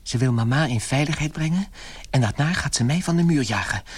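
A man's voice: medium pitch, animated, brisk, husky, no echo. An actor playing a frightened, defiant son turned giant insect, muttering his inward thoughts in a radio play. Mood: wary, defiant. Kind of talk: Dutch radio play acting.

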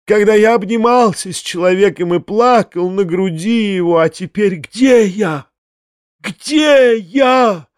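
A theatrical, self-pitying man wails his questions in a high, drawn-out voice. He declaims slowly as if in a fever. The audiobook recording is dry and close. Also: expressive, no room sound. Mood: wailing, hysterical. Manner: slow wailing declamation, shouts rhetorical questions. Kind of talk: audiobook character reading.

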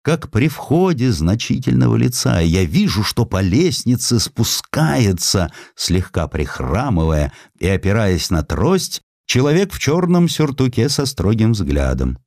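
A man's voice: on the low side, sing-song, a little slow, creaky, hardly any pauses, darkish tone, no echo, studio quality. A man reading literary narration as an audiobook narrator, with theatrical storytelling delivery. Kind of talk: expressive scripted literary narration.

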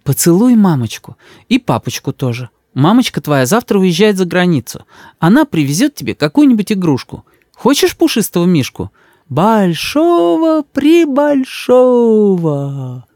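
A man voicing an anxious, tearful young mother who talks in a pleading, soft-hearted way. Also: high-pitched, very animated, unhurried, no echo, clean studio sound, pitched above the performer's own voice, full character voice. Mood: coaxing.

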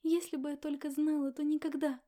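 A woman's voice: high-pitched, fairly even intonation, a little fast, voice pushed up, close to an everyday voice. Woman voicing a tearful timid young pregnant woman. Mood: tearful pleading. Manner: soft, sobbing, stammering.

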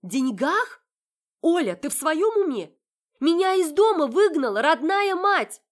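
A woman voicing an indignant young woman, shouting high and loud at the people around her. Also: big pitch swings, measured pace, full character voice. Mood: furious. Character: heated young woman arguing with her sister.

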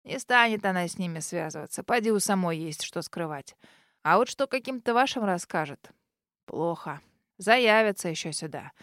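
A woman's voice: on the low side, lively intonation, moderate pace, fairly bright tone, dry recording, clean studio sound, voice pushed down. A woman voicing an old male house spirit who grumbles and whispers in folksy speech. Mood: grumbling advice.

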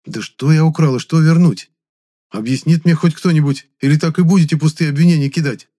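An indignant, sarcastic young man, played by the narrator himself defending his name. He speaks raised and forceful, slightly higher than his telling voice. The protest is sharp rather than tearful. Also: fairly quick, lightly acted.

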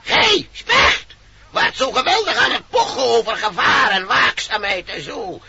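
A man's voice: extremely high pitch, huge pitch swings, measured pace, vocal fry, crowd noise, full character voice. A man with a Flemish accent playing a cheeky, mocking talking jay in a radio play, full of exclamations. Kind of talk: theatrical radio play acting. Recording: dull old radio recording, noisy behind.

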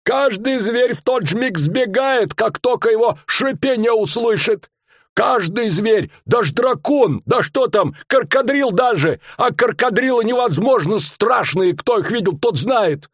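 A bellowing fairground barker. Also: male voice, extremely high pitch, expressive, dry recording, clean studio sound, voice pushed up, heavily acted. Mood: boastful. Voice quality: rustic old-fashioned speech. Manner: bellowing, drawn-out showman's patter. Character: loud middle-aged male fairground barker, boastful.

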